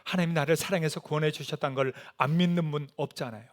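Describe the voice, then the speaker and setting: A male pastor preaching a sermon, animated, often putting questions to the congregation and sometimes dropping to a soft whisper for emphasis. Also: fairly high pitch, fast talker.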